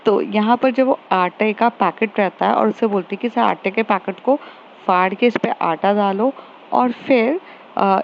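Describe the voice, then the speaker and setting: A woman retells a romance story in a loose, conversational way, filling it with small pauses and repeated "she says". Her pitch sits at a middle height. The sound is a little dull and lo-fi, with a faint hum of noise underneath. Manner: retells dialogue in a loose chatty way, many fillers and "she says". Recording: slightly dull lo-fi audio with faint background noise.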